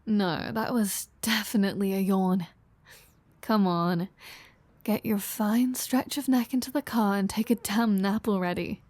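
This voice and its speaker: In an intimate audio roleplay, a woman plays a flirty female vampire who is an unrepentant predator, speaking slowly in a mellow, relaxed, natural voice of medium pitch. She is teasing, sardonic, and foul-mouthed, swearing plenty. The sound is close and dry, with no room sound.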